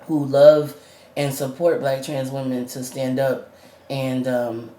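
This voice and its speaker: A trans man chats easily and laughs often, with plenty of ums along the way. His voice sits at a middling pitch and cracks now and then. The sound is roomy and echoey, with a faint hum behind it. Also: flat delivery, takes it slowly, dark tone. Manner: chatty, laughs often, many fillers. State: voice cracking, going up and down. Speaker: vlogger. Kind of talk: casual chat.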